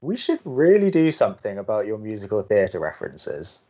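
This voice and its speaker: A man's voice: fairly low pitch, wildly swooping pitch, normal speed, a little mellow. A man playing a sardonic, awkwardly romantic young college radio co-host with a dry manner, in a scripted audio drama. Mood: teasing.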